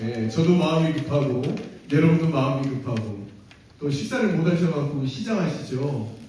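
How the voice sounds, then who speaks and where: Amid audible room echo and noticeable background noise, a man with a fairly high pitch speaks at a moderate pace with lively intonation. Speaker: pastor. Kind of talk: church training lecture.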